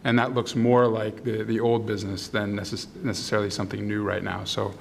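A man's voice: lowish voice, monotone, fairly quick, creaky, a little hiss or hum. A man speaking as a panelist at a policy discussion, filling his talk with "you know" and "um". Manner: filler-heavy, many "you know"s and "um"s.

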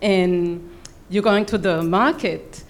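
A woman's voice: on the low side, slow. A woman from Burundi with a Burundian accent, making earnest, explanatory spontaneous remarks as an audience member at a public forum. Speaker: audience member asking a question.

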